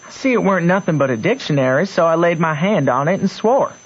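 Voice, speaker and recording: A man's voice: a little high, expressive, quick pace, background noise, natural voice. A young actor playing a plain-spoken country boy with a rural Southern American accent, narrating a radio drama. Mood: folksy, confiding. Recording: muffled old radio recording.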